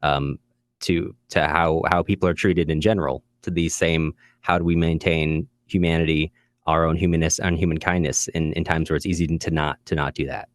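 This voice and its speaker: Very low-voiced, hesitant man. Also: steady tone, moderate pace, dry recording, studio quality. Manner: hesitant, repeats words while thinking. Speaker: podcast co-host. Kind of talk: casual literary discussion.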